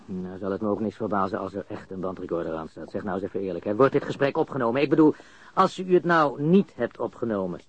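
In a radio drama, an actor plays a cocky, jittery criminal suspect who confesses while stammering, repeating himself and swearing. His voice is fairly low, fast and slightly rough, and he sounds smug and amused.

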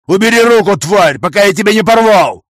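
A man voicing a hot-tempered hero in an audiobook, shouting in raised, furious bursts. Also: mid-range voice, expressive, moderate pace, no echo, clean studio sound, natural voice. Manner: loud, raised, furious outbursts. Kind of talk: audiobook character reading.

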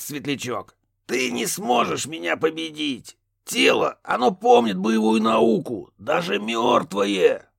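A gruff male ghost witch-hunter, as an audiobook reader puts him on, sounds harsh, gravelly and husky. He barks and mocks, with his pitch leaping widely. The voice sits slightly higher than the reader's own. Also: fairly bright tone, no echo, studio quality, heavily acted. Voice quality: hoarse, gravelly. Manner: barking, mocking. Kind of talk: audiobook character voice.

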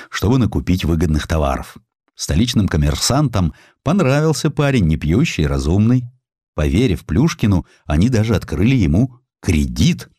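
A man narrating a historical sketch as a scripted audiobook, with theatrical, expressive delivery. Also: low voice, breathy edge, no echo, studio quality.

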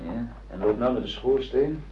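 An actor playing a bossy, impatient grown son in a radio drama, giving commanding instructions. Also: male voice, mid-range voice, moderate pace, close to an everyday voice. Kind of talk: naturalistic radio drama acting. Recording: dull radio-play recording, faint noise.

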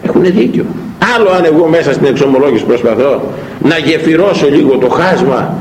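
A man's voice: fairly high pitch, expressive, darkish tone. A man preaching as an Orthodox priest, his voice rising and falling widely as he presses rhetorical questions on the congregation. The sound rings in a roomy church with faint noise behind it. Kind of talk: sermon. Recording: roomy echo.

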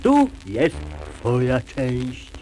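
A man's voice: medium pitch, big pitch swings, very slow, music in the background. An actor playing a small, childlike male dragon, playful and stubborn, in a children's show. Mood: pleased, playful. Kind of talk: children's puppet show acting.

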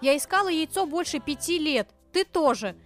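A woman voicing a guarded, earnest young woman gamer in a dramatized audiobook, speaking in a measured, firm way. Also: high-pitched, lively intonation, faint music behind. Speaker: voice actor in an audiobook.

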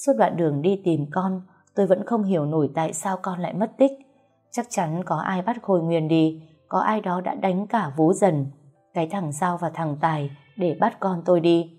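A woman reads a first-person story aloud in slow, emotional storytelling. Her voice is low-pitched and darkly mellow, and faint music plays underneath. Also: slightly rough.

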